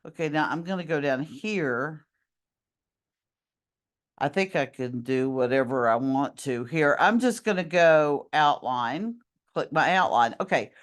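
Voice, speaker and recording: Middle-aged woman teacher, low voice, deliberate pace, slightly strained voice, walks through each step aloud. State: losing her voice. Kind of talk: screen-recorded class tutorial.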